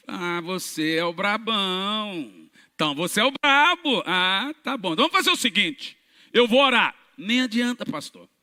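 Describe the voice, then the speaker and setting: Animated preacher in a big hall. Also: male voice, high-pitched. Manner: animated storytelling, shouting at peaks. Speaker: pastor. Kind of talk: sermon testimony. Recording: reverberant church hall.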